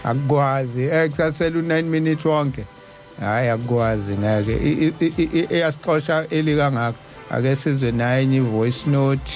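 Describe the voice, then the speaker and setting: A man's voice: mid-range voice, moderate pace, darkish tone. South African male host over music. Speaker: radio host. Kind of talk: casual talk show hosting.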